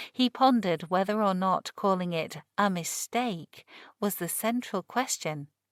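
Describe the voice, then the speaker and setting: Speaking at a fairly slow pace with lively intonation, a woman with a West Yorkshire accent uses a medium pitch in a very clean, dry, close recording with a silent background and no echo. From West Yorkshire, England. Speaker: voice actor and narrator. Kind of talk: audiobook narration.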